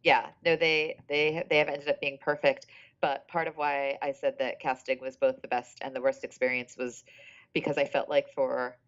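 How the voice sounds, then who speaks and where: A woman with a low voice chats casually as a podcast creator. She is emphatic, circling back over phrases, and the recording is a little dull. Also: flat delivery, moderate pace, clear, resonant tone. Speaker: podcast creator giving commentary. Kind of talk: casual, chatty behind-the-scenes commentary.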